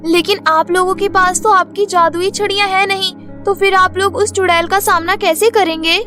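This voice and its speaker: Woman doing a caring young village girl, super high cartoon voice, faint music. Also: steady tone, normal speed, bright, forceful tone. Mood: puzzled concern. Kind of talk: cartoon story dialogue.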